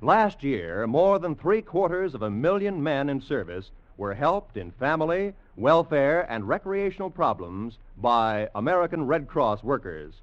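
A man's voice: mid-range voice, sing-song, measured pace, hardly any pauses. A man announcing a 1940s radio drama in a formal, emphatic manner. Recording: dull old radio broadcast with music.

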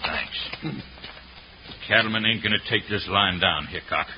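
An actor playing a hostile old-west cattleman with a threatening rough drawl, in 1940s radio acting. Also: fairly low pitch, unhurried, highs cut off. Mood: menacing. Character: hostile sneering cattleman villain, male. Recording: old radio recording with faint hiss.

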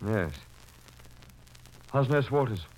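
A man's voice: medium pitch, lively intonation, slight background noise, rough recording. A man playing a stern, rational but troubled doctor, with formal 1940s radio diction on a vintage recording. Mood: skeptical. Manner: formal, grave, measured diction. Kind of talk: 1940s radio drama acting and narration.

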